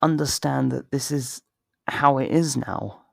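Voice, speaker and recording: A man playing a torn, tender best friend in an intimate ASMR roleplay, speaking in a halting, emotional, pleading way. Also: medium pitch, creaky, a bit bright, no room sound, clean studio sound, full character voice. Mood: firm, exasperated. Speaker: audio roleplay voice actor.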